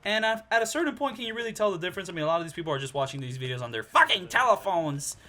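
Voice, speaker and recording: Gamer guy rambling over gameplay, stuffy nose from a cold, bright voice, lots of likes and you knows. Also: high-pitched, lively intonation, racing. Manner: rambling, lots of filler words. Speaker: gaming commentator. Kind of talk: casual gameplay commentary.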